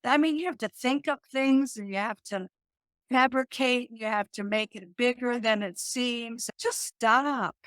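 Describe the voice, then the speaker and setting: A middle-aged woman, a yoga teacher and hypnotist, talking animatedly in an interview, often laughing and restarting her sentences, with a calming voice. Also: on the high side, measured pace, dry recording. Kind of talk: conversational interview.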